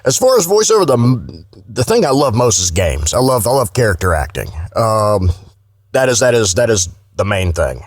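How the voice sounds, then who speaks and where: A man with a low voice chats casually as an interview guest on a podcast. He is candid and salty-tongued, and the sound is dry and close. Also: sing-song, normal speed, no echo. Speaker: guest voice actor.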